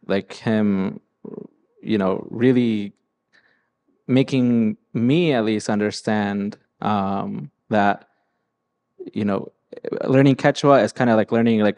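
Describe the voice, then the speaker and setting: A young man speaking as a guest on a panel into a handheld mic, relaxed and casual, with frequent "like" and "um". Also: on the low side. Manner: relaxed, heavy use of "like" and "um". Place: large hall with a stage.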